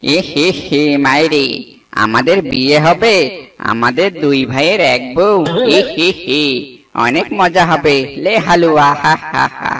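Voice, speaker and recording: A man's voice: a little high, a little slow, a bit bright, recorded from a distance. A man voicing a silly, eager young bird bridegroom in a cartoon, goofy and exaggerated. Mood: excited, gleeful.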